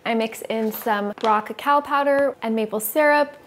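Upbeat woman in her 30s, cooking host, clear step by step recipe talk, kinda high voice. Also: moderate pace, a bit bright, a little hiss or hum. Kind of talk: recipe instruction with voice-over. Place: home kitchen, indoors.

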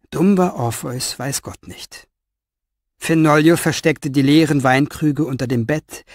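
A man reading an audiobook with expressive storytelling. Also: medium pitch, no room sound, studio quality. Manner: expressive storytelling with lively inner voice. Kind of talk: audiobook narration.

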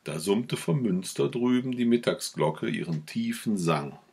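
A man reading a novel aloud as an audiobook, narrating calmly. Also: fairly low pitch, a little slow, gravelly, breathy edge. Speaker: audiobook reader.

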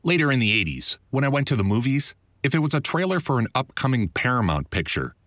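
A man's voice: mid-range voice, very animated, fast talker, fairly bright tone, no echo, clean studio sound. A middle-aged American man reading his own audiobook in a wry, conversational, emphatic manner. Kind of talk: scripted first-person audiobook narration. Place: close, dry studio recording.

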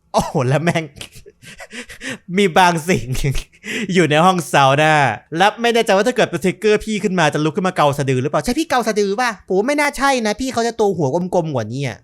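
A young man giving casual let's-play commentary on a horror game, excitable, swearing and yelping when startled. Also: high-pitched. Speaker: gaming YouTuber.

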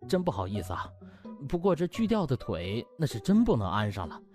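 A man's voice: medium pitch, huge pitch swings, brisk, darkish tone, faint music behind, pitched below the performer's own voice. A man voicing a flustered, polite young male doctor with a hesitant, stammering manner in an audiobook. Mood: awkward, regretful.

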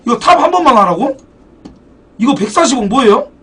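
A young man live-streaming a game, excitable and profane, thanking donors as he plays. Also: very high voice, a little fast, a little hiss or hum. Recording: distant mic, background music.

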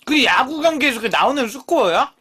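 A man in his thirties talks casually to his live stream audience, teasing and cursing as he argues with the chat. His voice sits high and swings widely between low mumbles and loud outbursts. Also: animated, brisk, slightly rough. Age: 30s. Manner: swears freely, teasing and bickering with chat. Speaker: live-stream eating show host.

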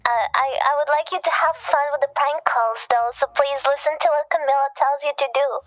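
A woman's voice: high voice, steady tone, a little fast, low-quality recording. A woman chatting casually as a called friend, hesitant and supportive in manner. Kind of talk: casual phone chat. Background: music.

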